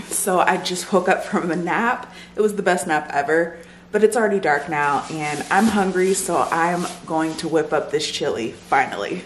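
Light background noise and audible room echo surround the recording. A woman with a fairly low pitch talks at a moderate pace. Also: ordinary pitch variation. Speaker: vlogger. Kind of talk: casual vlog chat. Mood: relaxed, cozy. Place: kitchen. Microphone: camera far.

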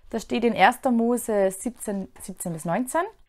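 Over a quiet background, a woman speaks at a fairly high pitch. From Austria. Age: 20s. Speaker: youth presenter sharing faith reflection; youth faith vlogger. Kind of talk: casual religious testimony monologue. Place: home room. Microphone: lapel.

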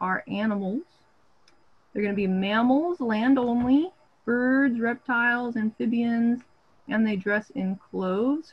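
A woman's somewhat breathy voice at a moderate pace with ordinary pitch variation. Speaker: art class teacher. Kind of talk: lecture. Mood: playful, laughs often. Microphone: video call.

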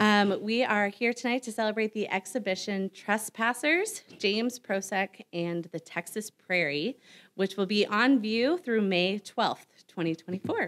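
An ordinary speaking voice from a woman, fairly high in pitch, at a fairly slow pace with ordinary pitch variation. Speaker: museum programs manager. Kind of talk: event introduction. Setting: stage with audience. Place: hall.

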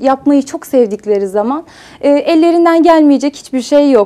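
Her voice is high-pitched, with a dark, mellow tone. This woman speaks with lively intonation. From Ordu, Turkey. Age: 20s. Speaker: handcraft designer and mother. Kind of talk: casual interview. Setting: studio. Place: studio.

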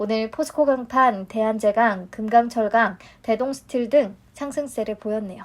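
The speaker has a plain, everyday voice with ordinary pitch variation and a fairly slow pace. The recording is very clean, with a silent background. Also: woman. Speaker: stock market YouTuber. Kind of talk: daily market wrap-up commentary. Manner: calm, soft, casual-formal.

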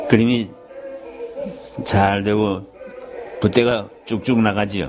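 Speech unfolds at a very slow pace with fairly even intonation while clear music plays in the background. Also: man, fairly low pitch for a man. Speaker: elderly painter. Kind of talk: interview answer. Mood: warm, smiling. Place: home room. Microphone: lapel.

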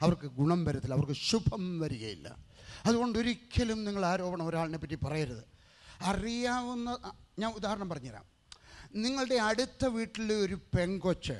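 The speaker is a man with a high pitch. His voice swings very widely up and down. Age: 60s. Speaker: preacher. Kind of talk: sermon.

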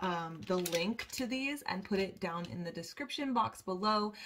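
A woman talks at a moderate tempo while noticeable noise sits in the background. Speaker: makeup vlogger. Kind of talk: casual makeup tutorial. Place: bathroom. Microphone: phone near.

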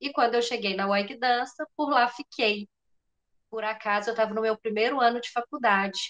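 A woman speaks in an ordinary speaking voice, fairly high in pitch, at a moderate pace. Her intonation stays fairly even against a quiet background. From Minas Gerais, Brazil. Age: 40s. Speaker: dancer and psychologist. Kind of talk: talk about her career. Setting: video call. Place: home room. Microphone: video call.

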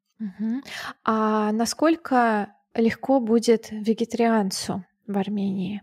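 A woman talks at a very slow pace with a fairly high pitch. Her intonation stays fairly even, broken by long, frequent pauses. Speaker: podcast host. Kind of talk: casual interview.

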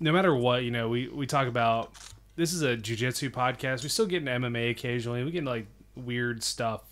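With a Southern US accent, a man talks at a fairly quick pace in a medium pitch with ordinary pitch variation. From US South. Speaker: podcast host. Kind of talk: casual chat. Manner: animated.

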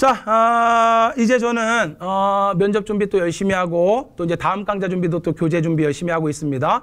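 A high-pitched man at a moderate pace with ordinary pitch variation and hardly any pauses, over a quiet background. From South Korea. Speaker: exam prep teacher. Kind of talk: lecture. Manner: warm, encouraging. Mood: upbeat, encouraging. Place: studio. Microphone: studio mic.

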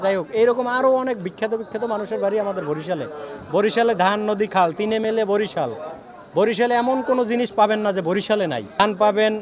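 A man speaks at a high pitch. Crowd noise carries in the background. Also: ordinary pitch variation. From Barishal division, Bangladesh (Pirojpur). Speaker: street interviewer. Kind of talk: playful debate interview. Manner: animated.

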